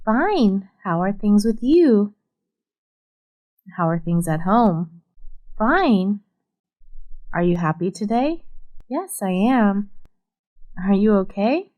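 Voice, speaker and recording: A woman reading short English practice questions and answers as a scripted lesson, voicing both sides in a deliberate, even way. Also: mid-range voice, poor audio.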